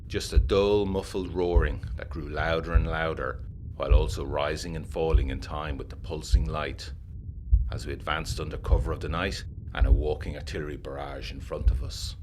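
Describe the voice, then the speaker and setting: Deep-voiced, haunted war veteran gentleman. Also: steady tone, noisy background. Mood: haunted, dread. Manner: formal, literary, measured, grave. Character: haunted, introspective English-speaking gentleman, war veteran captain, 1920s. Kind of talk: gothic audio drama, reading a letter aloud.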